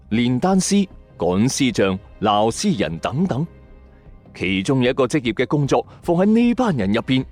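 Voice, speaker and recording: Animated male Cantonese storyteller from Hong Kong. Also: mid-range voice. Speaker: storytelling podcast host. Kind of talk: dramatic scripted storytelling narration. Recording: music under the voice. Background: background music.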